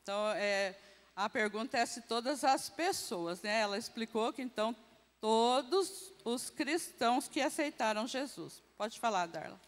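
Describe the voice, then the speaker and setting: A Brazilian woman with a Brazilian Portuguese accent teaches a Sunday school class in a church hall, her high-leaning voice animated yet unhurried. She keeps questioning the class and often tags on "né," while the hall adds a long reverb.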